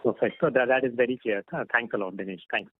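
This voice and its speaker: A man asking questions as an analyst on an earnings call, halting and often checking his understanding. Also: medium pitch, noisy background. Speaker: financial analyst caller. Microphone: phone call. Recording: dry, tinny phone line.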